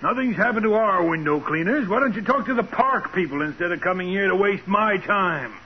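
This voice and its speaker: An actor playing a curt, hostile business boss, impatient and brusque, in 1940s radio drama style. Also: male voice, high voice, animated, a little fast. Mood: impatient, defensive. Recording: muffled, hissy 1940s radio recording.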